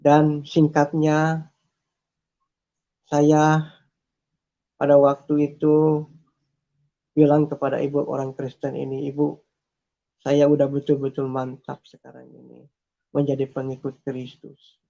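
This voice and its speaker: A man's voice: on the high side, monotone, slow pace, gravelly, long pauses, dark tone. A man telling his personal faith testimony in an earnest, repetitive way, with frequent hesitations. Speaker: testimony speaker. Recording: dull lo-fi recording.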